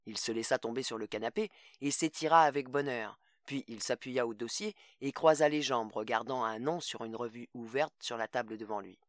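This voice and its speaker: A man narrating a short story as an audiobook in a measured, steady reading. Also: mid-range voice, dry recording, studio quality.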